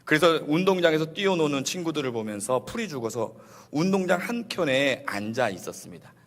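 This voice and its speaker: A male pastor preaching a Sunday sermon in an animated way, acting out the quotes he tells. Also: on the high side, a little fast. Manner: animated, acts out quotes with shifting voices. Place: church sanctuary. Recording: long church reverb.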